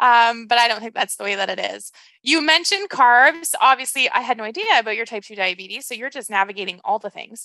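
A woman speaks at a very fast pace in an animated tone, with lively intonation and big swings in loudness. Her voice is fairly high, bright and sharp, and the sound is dry with no echo. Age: 30s. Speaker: podcast host. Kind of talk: interview conversation. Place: home room. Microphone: headset.

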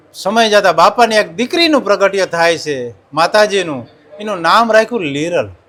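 Amid noticeable background noise, a man with a high pitch speaks in a lively intonation. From Gujarat, Saurashtra (Porbandar area). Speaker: temple priest. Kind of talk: storytelling of religious history.

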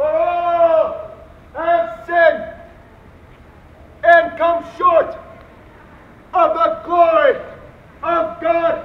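Loud and with an American accent, a man speaks at a very slow pace in an extremely high pitch, his intonation fairly even, with long, frequent pauses and audible room echo. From United States. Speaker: street preacher, evangelist. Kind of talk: loud public preaching of scripture. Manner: loud, projecting. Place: street.

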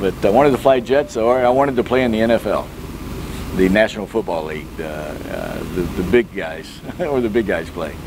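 With an American accent and lively intonation, a man talks over noticeable background noise in a dry space with no echo. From Kentucky, US South. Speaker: army officer. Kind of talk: interview. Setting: military camp. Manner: halting, many fillers and repetitions. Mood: calm, friendly, reflective. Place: open country.

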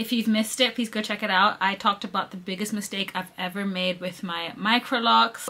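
At a fairly quick pace, a woman speaks with fairly even intonation. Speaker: vlogger. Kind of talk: casual vlog chat. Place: home room.

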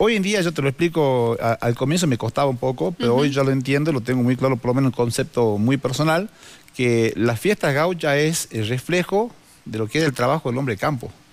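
A man is talking at a fairly quick pace. His intonation is lively. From Argentina, Jujuy; Argentina. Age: 40s. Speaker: rodeo announcer and folk reciter; interview guest. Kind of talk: casual interview. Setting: TV studio. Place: studio. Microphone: lapel.

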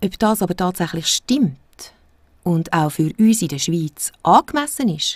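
A woman with a Swiss accent at a fairly low pitch, fairly slow pace and lively intonation, dry and close with no echo. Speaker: news presenter. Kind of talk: scripted political commentary.

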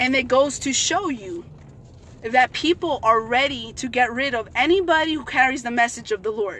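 A woman with an American accent, high pitch and animated tone, lively intonation at a moderate pace, in a dry sound with no echo. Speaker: street preacher. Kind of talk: street preaching vlog. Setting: outdoors. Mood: indignant, fervent. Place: car. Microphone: phone near.

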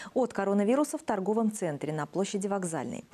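Speaking at a fairly quick pace, a woman with a dark, mellow tone makes very wide pitch swings. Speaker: news anchor. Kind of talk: news reading. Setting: studio.

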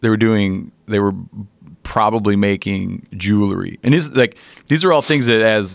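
Over a quiet background, a man with a fairly low pitch is heard in a dry recording with no echo. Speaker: podcast guest. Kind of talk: interview answer. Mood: thoughtful, reflective. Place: studio. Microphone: studio mic.

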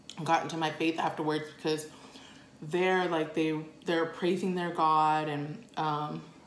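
A woman with a very deep, low pitch, monotone and flat, at a fairly slow pace with audible room echo. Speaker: food vlogger. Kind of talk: casual storytelling while eating. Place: home room. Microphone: phone near.

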